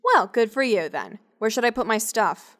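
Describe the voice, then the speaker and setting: A woman's voice: fairly high pitch, expressive, normal speed, fairly bright tone. An actress playing a brash, sarcastic young woman scientist in an audio drama, slangy, sweary and defensive. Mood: breezy, defensive. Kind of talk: audio drama acting, naturalistic banter.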